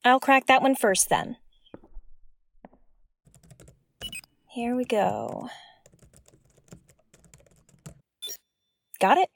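A woman's voice: a little high, big pitch swings, moderate pace, creaky, exaggerated voice. A woman playing a young hacker in an audio drama, casual, colloquial and sympathetic. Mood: focused.

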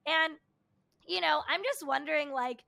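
A woman's voice: high voice, moderate pace, vocal fry, pushed and bright. A woman hosting a podcast interview, upbeat and eager, with frequent "you know" fillers. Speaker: podcast host.

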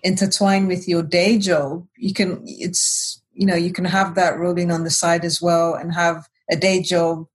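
A woman's voice: fairly low pitch, flat delivery, measured pace, few pauses, husky, low-quality recording. A woman co-hosting a podcast, chatting casually in a reflective way with many hedges. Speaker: podcast co-host. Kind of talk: casual chat.

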